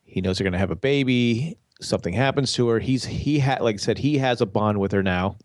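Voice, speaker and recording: A man's voice: mid-range voice, fairly quick, no room sound, clean studio sound. A congested man with a nasal voice, co-hosting a casual TV podcast and rambling through his theory with many restarts. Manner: rambling, restarts mid-sentence. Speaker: podcast co-host. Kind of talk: casual TV discussion.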